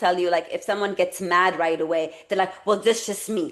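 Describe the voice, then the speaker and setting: A woman with a non-native accent talks in an animated tone. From immigrant, came to the country at seventeen. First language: not English. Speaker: podcast co-host, speech language pathologist and coach. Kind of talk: casual chat.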